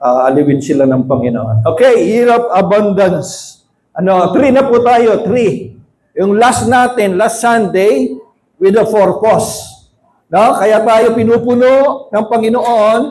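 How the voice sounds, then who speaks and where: The speaker is shouting with lively intonation at a fairly slow pace. Loudness stays very even, with audible room echo. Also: man, high pitch for a man. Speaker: pastor. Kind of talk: sermon. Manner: loud, shouting.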